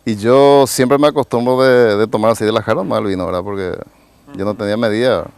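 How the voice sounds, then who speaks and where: A man's voice: lowish voice, steady tone, fast, vocal fry, a little mellow, clean tone. A man, a pastor giving a rambling personal testimony in an interview, tagging his phrases with a questioning "right?". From Paraguay. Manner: rambling storyteller, tags nearly every phrase with a questioning "right?". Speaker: pastor and evangelist, interview guest.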